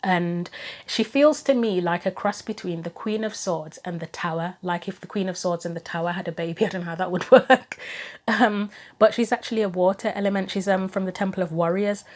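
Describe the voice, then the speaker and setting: A woman talks through a tarot spread for her viewers in a slightly low voice. Her throat is wearing out, so a hoarse edge creeps in. She muses casually and reads guidebook passages aloud. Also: brisk, a little mellow. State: losing her voice, throat going. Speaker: tarot reader. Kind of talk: solo tarot reading for viewers.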